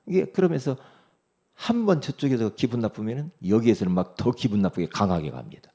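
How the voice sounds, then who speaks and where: A male pastor preaching a dawn prayer sermon, asking the congregation questions and swinging from loud exclamations to hushed whispers. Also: mid-range voice, big pitch swings, fairly quick. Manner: asks the congregation rhetorical questions.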